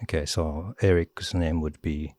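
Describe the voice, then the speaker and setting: A middle-aged Japanese man with a Japanese accent, a guest author chatting in an interview, animated and laughing often as he demonstrates voices. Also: very deep voice, unhurried, no room sound. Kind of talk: casual interview talk.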